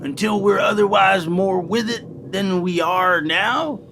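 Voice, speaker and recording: A man's voice: sits high, slow, noisy background. A man playing a flamboyant, dim wasteland raider who talks like a theatrical surfer dude in a comedy audio drama. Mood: defiant. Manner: theatrical, mixes surfer slang with mock-archaic phrasing.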